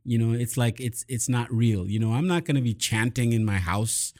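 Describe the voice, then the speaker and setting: A man hosting a casual chat, explaining mindset habits in an upbeat, quick way. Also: mid-range voice, a little mellow. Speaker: host and mindset coach.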